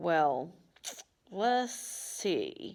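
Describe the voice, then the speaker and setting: This is a put-on character voice. Its pitch sits in the middle. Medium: read story. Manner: meek, simple.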